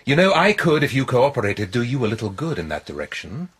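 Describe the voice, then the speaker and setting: An actor playing a haughty, menacing count in a radio drama, condescending and silkily threatening, with a raspy, breathy voice. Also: male voice, medium pitch, very animated, quick pace. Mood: condescending, persuasive. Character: haughty, menacing aristocratic count, powerful patron and villain. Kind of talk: theatrical radio drama acting.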